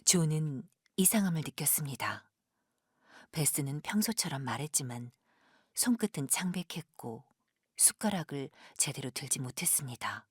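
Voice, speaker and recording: Woman narrating audio drama, low breathy voice, gentle storyteller, super dry close recording. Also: expressive, normal speed, no room sound.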